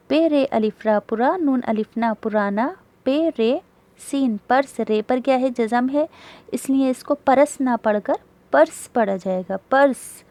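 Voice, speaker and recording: A woman's voice: on the high side, dark tone. A woman teaching a beginner Urdu lesson to schoolchildren, patiently spelling each word letter by letter before reading it whole.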